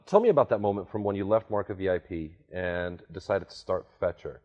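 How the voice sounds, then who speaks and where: A man's voice: deep voice, expressive, brisk, darkish tone, highs cut off. A man hosting an interview show, upbeat and direct, prompting his guest with questions. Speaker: podcast host.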